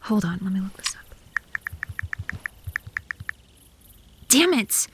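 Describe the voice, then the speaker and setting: A woman's voice: medium pitch, big pitch swings, drawn-out words, slight background noise. A woman playing a possessive, lovesick, bratty vampire in a comedic ASMR roleplay, haughty and theatrical, by turns flirty and threatening. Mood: flustered, irritated.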